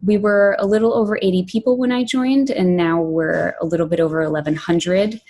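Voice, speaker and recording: Woman giving a measured conference talk. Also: lowish voice, steady tone, darkish tone, slight background noise. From Poland, raised in New York City. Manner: clear, measured presenting with lists and emphasis. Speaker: conference speaker, product director.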